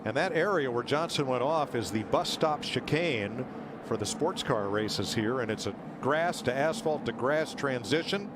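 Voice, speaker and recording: A man's voice: medium pitch, animated, moderate pace. A man working as a motorsport commentator, calling a race live on a broadcast. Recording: noisy trackside broadcast, engine roar. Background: race cars and outdoor track noise.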